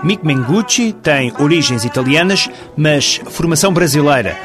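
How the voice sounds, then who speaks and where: A man's voice: fairly high pitch, lively intonation, moderate pace. A man reading a scripted magazine-programme narration as presenter. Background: music.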